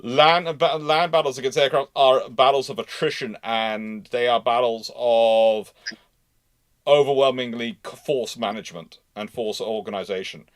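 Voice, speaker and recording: A man hosting a live history talk, explaining off the cuff in a halting way, repeating and rephrasing for emphasis. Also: medium pitch, fairly even intonation, no room sound. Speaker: host answering naval history questions.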